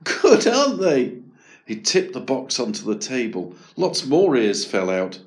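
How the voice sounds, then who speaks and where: A man narrating a children's story aloud. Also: on the low side. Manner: slow, expressive storytelling.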